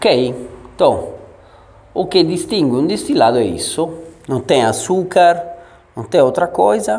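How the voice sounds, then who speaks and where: A man talks at a very slow pace. His pitch is high, and his intonation is lively. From Italy. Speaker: gelato instructor. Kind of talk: tutorial; lecture. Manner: halting. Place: classroom.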